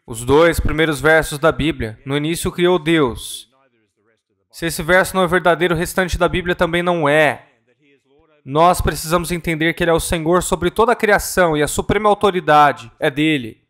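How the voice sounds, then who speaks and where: A man interpreting a ministry talk at a church conference, earnest and measured, sometimes correcting himself mid-word. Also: a little high, a bit bright.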